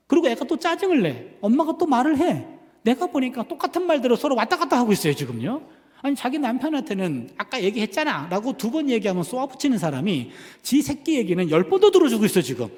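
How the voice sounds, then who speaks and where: A male pastor preaching in a church with a long, ringing reverb. His voice sits high and swings widely in pitch as he tells a story and acts out the lines of each person in it. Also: darkish tone. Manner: storytelling, acting out family dialogue. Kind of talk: sermon. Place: church sanctuary.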